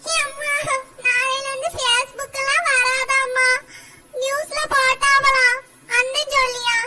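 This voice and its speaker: A woman's voice: very high-pitched, level tone, measured pace, sharp tone, soft background music, heavily acted. Woman voicing a sulky cartoon village girl. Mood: whiny. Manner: complaining, dramatic sulking. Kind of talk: cartoon voice acting.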